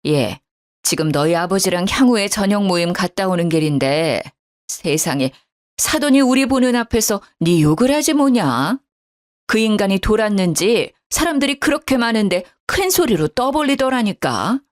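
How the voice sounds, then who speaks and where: A woman's voice: medium pitch, sing-song, moderate pace, dry recording, clean studio sound, natural voice. A woman voicing an indignant middle-aged mother, fretful and outraged, in a storybook narration.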